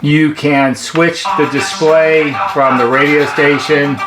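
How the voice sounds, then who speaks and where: A man's voice: a little high, little pitch movement, slow, over loud music. A middle-aged man with an American accent gives an unscripted, methodical, plain-spoken product walkthrough as a repair technician. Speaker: presenter, intercom repair technician. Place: indoor workshop at a workbench. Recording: roomy, echoing indoor sound.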